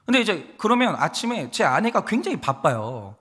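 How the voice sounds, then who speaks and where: A man's voice: high voice, moderate pace, slightly rough. A man in his thirties preaching a sermon as a pastor, telling stories animatedly and acting out quotes from people. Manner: animated storytelling with acted quotes. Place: church sanctuary. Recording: long hall reverb.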